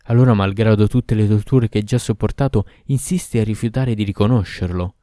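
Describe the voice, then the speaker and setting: A man voicing a cruel, furious male demon who shouts accusations and orders in a storybook reading. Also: on the low side, brisk, no room sound, studio quality, natural voice. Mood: menacing. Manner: loud, commanding, accusing.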